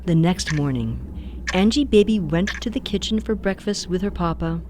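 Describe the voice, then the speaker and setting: A woman's voice: on the low side, background noise, natural voice. A woman playing an old grandmotherly hostess who tells spooky stories in a radio play, theatrical, doting and sinister. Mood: ominous narrating. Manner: theatrical, drawn-out, cooing.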